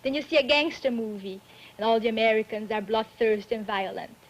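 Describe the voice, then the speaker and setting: An eighteen-year-old woman with a Brazilian accent speaks in a high voice. She is candid and lively as she talks on a student panel. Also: fairly quick, poor audio.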